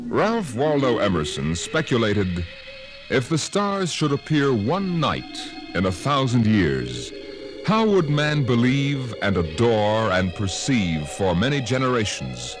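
A man narrating a scripted 1950s radio drama as announcer, dramatic and portentous. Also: fairly low pitch. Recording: old radio broadcast with music.

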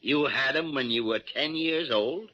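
An actor playing a crusty, teasing older hospital doctor with a gravelly, drawling, grumbling voice in vintage radio drama style. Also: male voice, medium pitch, unhurried, sharp tone. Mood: sly, teasing. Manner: drawling, grumbling, repeats himself. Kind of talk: 1940s-50s radio drama acting. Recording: muffled vintage radio recording.

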